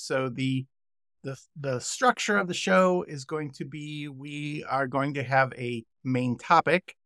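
Gravelly male podcast host. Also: medium pitch, fairly bright tone, dry recording, clean studio sound. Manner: halting, many fillers and restarts. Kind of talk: hosting a podcast panel.

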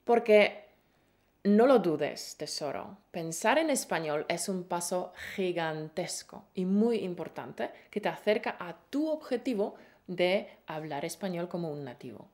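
A woman's voice: fairly low pitch, expressive, measured pace, darkish tone. A woman co-hosting a Spanish-learning podcast, teaching in a playful, encouraging way with pet names. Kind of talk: lively scripted lesson.

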